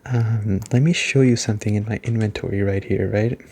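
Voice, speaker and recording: A soft-spoken man giving a relaxed, rambling ASMR game review, conversational and repeating points for emphasis. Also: lowish voice, a little fast, husky.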